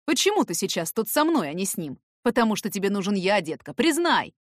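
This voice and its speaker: A woman's voice: medium pitch, big pitch swings, fairly quick, dry recording, clean studio sound. Woman reading as a smirking, cocky young man. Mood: taunting. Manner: smirking, taunting.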